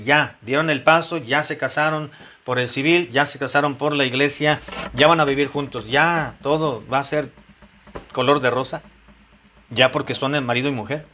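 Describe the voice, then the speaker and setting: This man's mid-range voice is bright and forceful, with a slight hiss or hum in the recording. As a pastor teaching a Bible lesson to married couples, he speaks conversationally, repeats points frequently, and asks the congregation questions.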